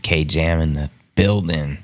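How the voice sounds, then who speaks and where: A man hosting a live stream, talking in a casual, hushed, low-key way and chuckling often. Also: unhurried. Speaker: livestream host. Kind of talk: casual live market commentary.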